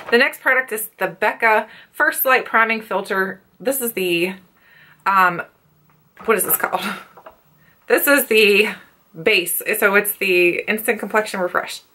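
Woman vlogger doing casual reviews in her bedroom, crisp bright voice, chatty and frank, normal pitch. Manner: chatty, candid, informal. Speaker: beauty vlogger. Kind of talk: casual makeup product review to camera. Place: furnished bedroom, indoors.

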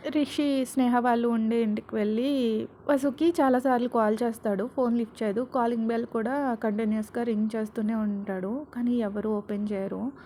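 Chatty woman storyteller, mellow voice. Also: on the high side, steady tone, moderate pace, slight background noise. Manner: chatty, conversational. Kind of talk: casual storybook narration.

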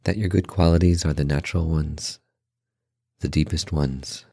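A man whose voice is extremely low, dark, creaky and husky guides a meditation. He calmly gives short instructional phrases, leaving slow, unhurried gaps between them, and the close, dry sound has no echo.

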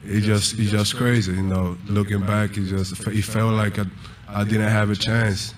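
Deep-voiced young man, searching for words. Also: little pitch movement, moderate pace, a little hiss or hum. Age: young adult. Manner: emotional, searching for words, repeats himself. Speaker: college basketball player. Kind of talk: postgame press conference answers. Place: press conference room. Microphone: table mic.

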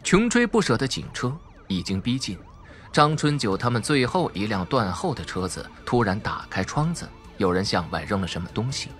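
A man narrates a suspense novel in a fairly low voice. His intonation is highly animated, shaped for dramatic scripted storytelling. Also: normal speed. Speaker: audiobook narrator.

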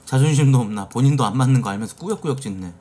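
A man's voice: medium pitch, very fast, warm tone, soft background music. A man streaming casual reaction commentary, blunt and swearing freely as he reacts to clips and reads posts aloud.

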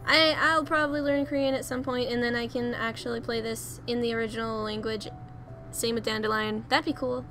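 A woman's voice: fairly high pitch, steady tone, brisk. A young woman hosting a let's play, rambling casually and laughing at herself as she clicks through game menus. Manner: chatty, giggly, self-deprecating. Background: soft background music.

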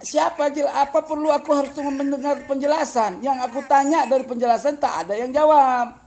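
A man's voice: very high voice, a little fast, darkish tone. A man arguing heatedly on a live stream, answering viewers in a taunting, confrontational, mocking way and chuckling between points. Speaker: livestream debater answering viewers.

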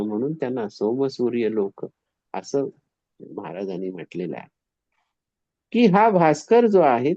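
A man telling a devotional story in an animated way, acting out the quoted voices. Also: fairly high pitch, dry recording. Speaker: spiritual storyteller. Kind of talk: devotional discourse. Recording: dull, dry, slightly lo-fi recording.

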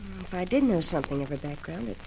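An actress playing an earnest, polite young heroine in an old-time radio soap opera. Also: female voice, on the low side, animated, fast, creaky, dark tone. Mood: earnest, concerned. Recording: noisy old radio recording.

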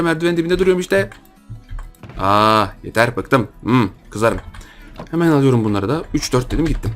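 Excitable young man commentating gameplay. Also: fairly high pitch. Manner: jokey, excitable, talks to viewers and opponents. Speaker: gaming YouTuber.

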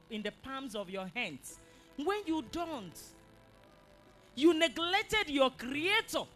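A woman's voice: fairly high pitch, a bit bright. A young woman playing a confident Christian student who scolds and preaches.

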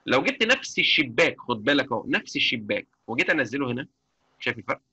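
A man with an Egyptian Arabic accent teaching a live online software lecture, chatty and constantly checking that his students follow. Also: mid-range voice, very animated, fast talker, slightly rough, dry recording. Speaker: software instructor. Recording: dull lo-fi mic.

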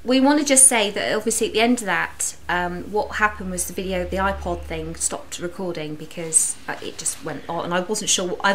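A woman's voice: on the low side, fairly bright tone, slight background noise. Woman chatting to her cam at home, rambling, um and uh a lot. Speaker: vlogger. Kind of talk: casual chat to camera. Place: living room indoors.

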